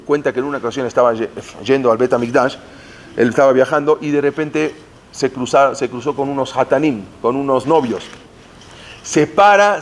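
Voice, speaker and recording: A man teaching Jewish history, telling the story dramatically and mixing in Hebrew terms. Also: on the high side. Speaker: Torah teacher.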